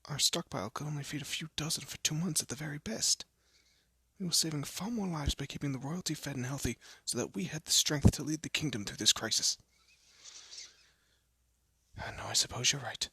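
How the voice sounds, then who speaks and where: A man playing a haughty but secretly soft young elf prince in a scripted roleplay audio drama, with a pompous, formal manner and a breathy, often hushed voice. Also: on the high side, fairly quick, no room sound, exaggerated voice. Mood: dismayed, grave. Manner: pompous, formal, flustered stammering.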